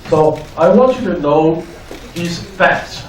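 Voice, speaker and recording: An older man giving a lecture in short, deliberate, simply worded phrases. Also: a little high, animated. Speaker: guest lecturer, clinical psychologist. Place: echoey indoor venue. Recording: echoey, distant, noisy room.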